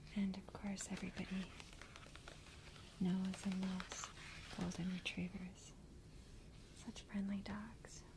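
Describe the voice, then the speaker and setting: Over noticeable background noise, a woman whispers in a soft-spoken, gentle tone at a fairly slow pace with long, frequent pauses. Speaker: ASMR creator. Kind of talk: ASMR book page-turning video. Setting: indoors, close microphone. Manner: soft-spoken, whispered, gentle. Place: home room.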